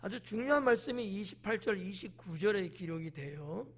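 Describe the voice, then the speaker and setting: Man, pastor, church sermon, high voice, gravelly fry, chatty explaining, rhetorical questions. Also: lively intonation, normal speed.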